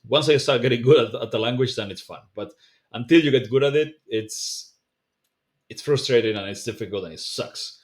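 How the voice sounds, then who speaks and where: A man whose first language is not English, explaining a language practice method to camera in a relaxed, conversational way with frequent fillers and self-corrections. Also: medium pitch. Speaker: language teacher. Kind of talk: casual explainer video, talking to camera.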